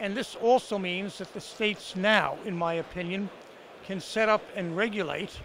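A man speaks at a fairly slow pace with fairly even intonation and a bright, sharp tone, in a dry sound with no echo over light background noise. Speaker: business law professor. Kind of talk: interview answer. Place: hall. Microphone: handheld.

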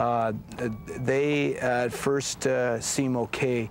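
With light background noise and a dry sound with no echo, a man at a medium pitch speaks with fairly even intonation. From Canada. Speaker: police officer. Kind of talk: on-scene commentary. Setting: outdoors. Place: street. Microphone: camera far.

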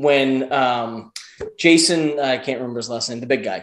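A man talks at a fairly quick pace. The background is quiet, with audible room echo. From United States. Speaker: podcast co-host. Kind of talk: casual chat. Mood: enthusiastic, chatty. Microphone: earbuds.

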